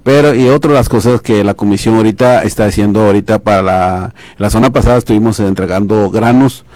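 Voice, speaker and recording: A middle-aged man from Oaxaca whose first language is Triqui, speaking as a guest in a radio studio booth, halting with many restarts. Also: on the low side, darkish tone, no room sound. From Oaxaca, Mexico. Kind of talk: casual interview talk.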